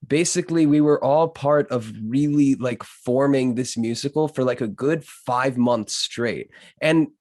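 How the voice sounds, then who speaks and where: A man's voice: mid-range voice, darkish tone, dry recording. Casual male podcast host, dry close sound. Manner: gushing, halting, peppered with filler "like". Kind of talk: casual interview chat.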